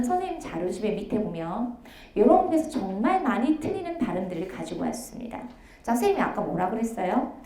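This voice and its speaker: A woman teaching an online language lesson, briskly cueing each sound and modelling it again and again for students to repeat. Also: a little high, mellow. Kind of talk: online lecture with call-and-response drills. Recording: echoey room.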